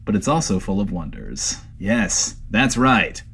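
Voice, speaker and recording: A man's voice: on the low side, sing-song, measured pace, a bit bright, breathy edge, full character voice. A man playing a flirty, self-admiring host of a post-apocalyptic radio show, theatrical and rambling, in a comedic audio drama. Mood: grandiose.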